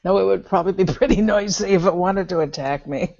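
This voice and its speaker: Low-voiced woman sharing, laughing often. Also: quick pace. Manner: laughs often, sighs, animated storytelling. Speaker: student at a spiritual gathering. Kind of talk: candid personal sharing. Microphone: remote video call. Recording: dull, lo-fi video call audio.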